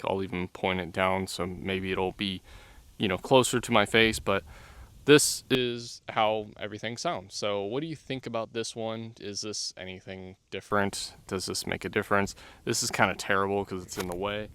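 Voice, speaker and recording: This camera-gear vlogger has a deep, smooth voice with a fairly bright tone. He wanders through a casual outdoor test of small wireless clip-on mics, moving them around and thinking aloud. The setting is the wilderness, with gusts of wind at times.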